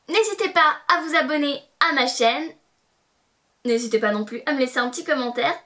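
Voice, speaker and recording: A young woman reviewing beauty products to camera, bubbly and excitable, breaking into playful sing-song repeats. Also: sits high. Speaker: beauty vlogger.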